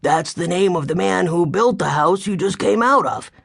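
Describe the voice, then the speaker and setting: A woman's voice: lowish voice, expressive, normal speed, gravelly, slightly rough, exaggerated voice. A woman voicing a suspicious old white-haired man who speaks firmly and bluntly. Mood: gruff. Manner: firm, blunt, ominous.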